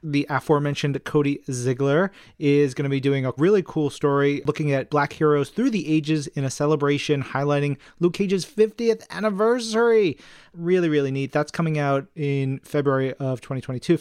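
A man's voice: a little high, brisk, darkish tone, clear, resonant tone, dry recording, studio quality. A man co-hosting a podcast in a casual, enthusiastic and effusive chatting style. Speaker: podcast co-host.

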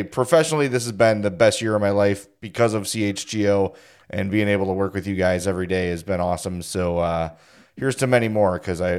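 A man's voice: fairly low pitch, clean tone. A man in his forties hosting a casual sports podcast, jokey and self-deprecating, laughing often. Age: 40s. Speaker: podcast host.

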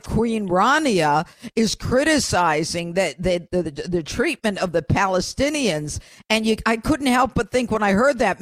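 A woman's voice: mid-range voice, dry recording. An American woman hosting a radio talk show, who speaks emphatically with frequent "uh" fillers.

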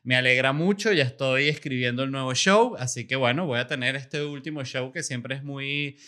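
Bright-voiced joking podcast host. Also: male voice, mid-range voice, normal speed. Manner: playful, jokey, shifts into mock ASMR murmur. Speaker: podcast host and stand-up comedian. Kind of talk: casual comedic monologue.

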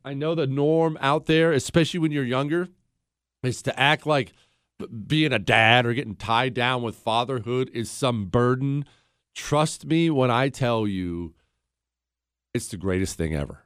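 Male talk radio host, sarcastic, animated, slightly congested, dry studio sound. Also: no room sound. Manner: animated, sarcastic, wide swings in pitch. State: congested from allergies. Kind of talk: opinionated talk radio monologue.

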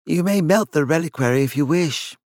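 A man voicing a cold, practical gentlewoman of quiet menace in an audiobook, formal, dry and controlled. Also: fairly high pitch, expressive, a little fast, no room sound, voice pushed up.

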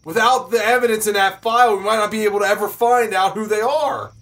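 A man's voice: mid-range voice, big pitch swings, moderate pace. A man playing an obsessive, paranoid, hot-tempered amateur investigator in a conversational horror audio drama. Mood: angry, accusing. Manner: intense, conversational, profane. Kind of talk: naturalistic improvised audio drama. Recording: music under the voice.

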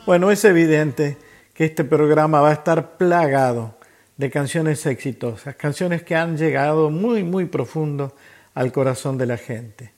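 High-voiced man hosting a program. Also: a little slow, a little mellow. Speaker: radio host. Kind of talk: introducing a guest on a music program.

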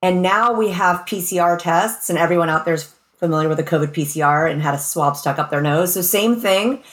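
A woman's voice: fairly low pitch, brisk. An American woman speaking as a medical expert guest, explaining things in an informal, plain-spoken, conversational way.

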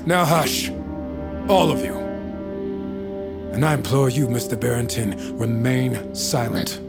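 A gravelly, commanding sorcerer. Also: male voice, mid-range voice, animated, slow, over loud music. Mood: incanting. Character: calm, mercurial sorcerer doctor, adult man. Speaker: actor in audio drama. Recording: loud score mixed under voice.

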